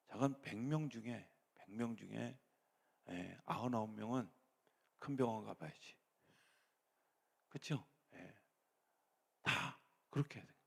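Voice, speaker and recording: Gravelly middle-aged man preaching. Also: on the low side. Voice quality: gravelly, husky. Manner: animated preaching, swings between raised voice and near-whisper. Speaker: pastor. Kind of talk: sermon. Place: church sanctuary. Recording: long church reverb.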